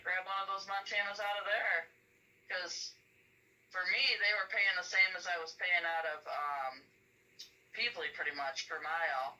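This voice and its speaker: A woman's voice: mid-range voice, pushed and bright. An American woman, a freight broker, chatting casually about business through a phone speaker. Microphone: heard through a phone speaker. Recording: tinny phone call on speaker, distant.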